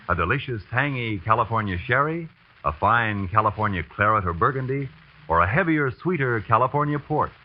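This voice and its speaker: A man reading a 1940s radio commercial as announcer, smooth and polished. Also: medium pitch. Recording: dull old radio broadcast.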